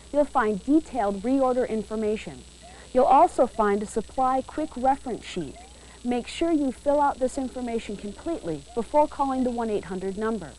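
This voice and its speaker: A woman narrates a training video in a clear, measured, instructive voice that sits slightly high. The sound comes from a worn VHS tape copy, with a faint hiss behind her. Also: a little mellow, poor audio.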